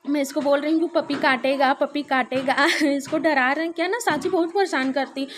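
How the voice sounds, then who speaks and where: A woman's voice: high-pitched, fairly quick, a little hiss or hum. A young woman chatting casually through a family vlog at home, explaining at length with lots of fillers. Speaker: family vlogger and mother. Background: music and prayer sounds nearby.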